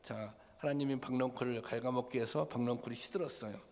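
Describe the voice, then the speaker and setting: A man's voice: mid-range voice, fast talker, a little mellow. A male pastor preaching a sermon, asking the congregation rhetorical questions and sometimes voicing the figures in a plain conversational tone. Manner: acts out quoted lines in a plain conversational voice. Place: church sanctuary. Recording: long hall reverb.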